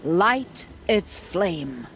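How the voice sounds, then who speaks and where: Stern, unhurried tribal priestess. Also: female voice, on the low side, very animated, fairly bright tone, a little hiss or hum, full character voice. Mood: solemn. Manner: formal, declamatory. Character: stern, solemn tribal priestess addressing young aspirants. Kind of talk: video game cutscene acting.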